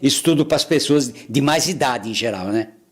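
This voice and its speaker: A man speaks at a moderate pace. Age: 70s. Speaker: collector, artist and dance teacher. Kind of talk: interview.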